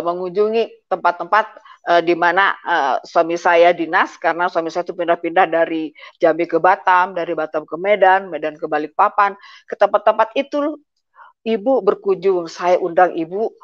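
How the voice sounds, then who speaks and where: In dull lo-fi audio, a middle-aged woman tells her conversion story as a guest, faltering and filling gaps with many filler sounds as she goes over painful family events. Her pitch sits fairly low and her pace is moderate.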